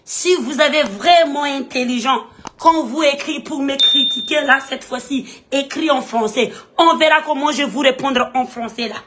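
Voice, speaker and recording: Live-stream host: Malagasy-accented woman, fairly high voice, emphatic and repetitive. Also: moderate pace, a bit bright, a little hiss or hum. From Madagascar. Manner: emphatic, repetitive, scolding viewers. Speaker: streamer reading comments. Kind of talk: casual live-stream chat.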